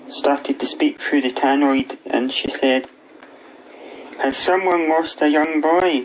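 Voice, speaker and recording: There is noticeable noise in the background. The speech moves at a fairly slow pace. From UK. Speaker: live streamer telling jokes. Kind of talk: joke telling on live stream. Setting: live stream.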